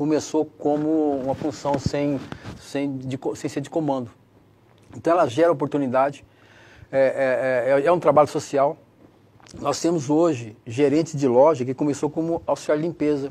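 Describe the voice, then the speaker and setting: Long, frequent pauses mark a man's speech, which has a dark, mellow tone, fairly high pitch, and fairly even intonation. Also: moderate pace. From interior of São Paulo state, Brazil. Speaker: retail chain executive; guest. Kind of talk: interview. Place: studio. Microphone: lapel.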